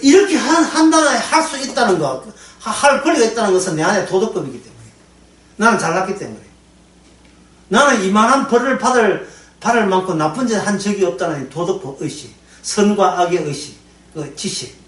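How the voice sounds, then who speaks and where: Lively male pastor, casual lecture-sermon delivery, recorded off-mic in a roomy space. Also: sits high, fairly quick. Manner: lively, conversational, laughing often, acting out prayers. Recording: echoey room, voice from far off the mic.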